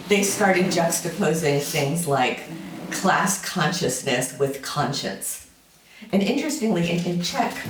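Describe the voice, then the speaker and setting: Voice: mid-range voice, a little hiss or hum. A lecturer in their fifties giving an informal summer school talk, conversational and full of fillers, with wry asides. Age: 50s. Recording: roomy sound from a distant mic.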